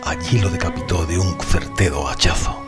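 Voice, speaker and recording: A male radio host with a very low voice delivers scripted horror narration. He sounds grave, and music plays clearly behind him. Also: normal speed.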